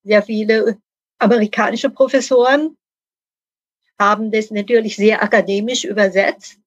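A middle-aged woman with a medium-pitched, steady voice speaks at a moderate pace, recorded lo-fi with no room sound. Appearing as a podcast guest, this Lean consultant and author explains her work thoughtfully in conversation, hesitating often.

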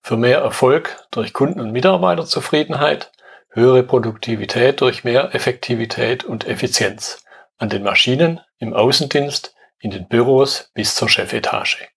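A man hosting a podcast, reading a scripted intro and then moderating a group discussion in a brisk, organized way. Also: medium pitch, vocal fry, fairly bright tone, slightly rough. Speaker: podcast host.

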